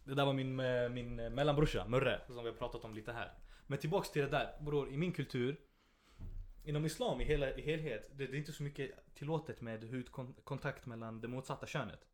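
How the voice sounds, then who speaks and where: A young man hosting a podcast, telling stories in casual chat and laughing often. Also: mid-range voice. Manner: animated storyteller, laughs often. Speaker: podcast host.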